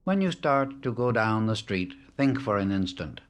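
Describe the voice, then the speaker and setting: A man narrating a scripted spiritual discourse as an audiobook, solemn and measured, setting out short phrases with emphasis. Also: on the low side, sing-song. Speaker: audiobook reader.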